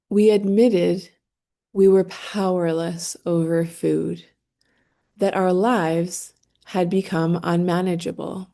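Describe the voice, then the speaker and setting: Slow, mellow woman guiding a meditation. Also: fairly low pitch, gravelly. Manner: gentle, unhurried, with long pauses between phrases. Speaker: guided meditation leader. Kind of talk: guided meditation, slow and soothing narration.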